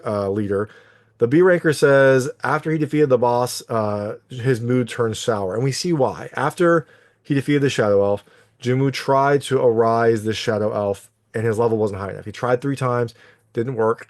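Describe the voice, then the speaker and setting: A man's voice: mid-range voice, a little mellow. A man giving a casual spoken recap and review of an anime, full of conversational fillers.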